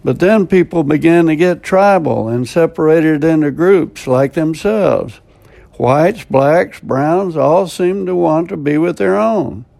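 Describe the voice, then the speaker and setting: A man's voice: on the high side, takes it slowly, gravelly, a little mellow. An older American man reading a short scripted devotional in a plainspoken, homespun way with dry self-mocking humor. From United States. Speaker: devotional radio host.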